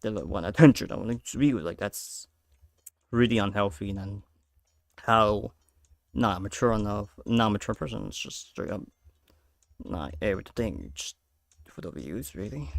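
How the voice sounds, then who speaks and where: A man from Peru streaming, rambling through casual reaction chat with halting restarts. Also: fairly low pitch, expressive, vocal fry, no echo, studio quality.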